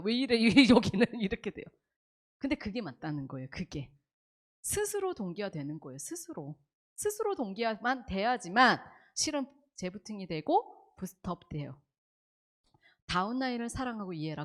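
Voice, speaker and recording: A woman lectures a seminar audience in a fairly high voice that swoops up and down with lively energy. She throws out rhetorical questions and acts out snippets of dialogue as she makes her points. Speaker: business seminar speaker.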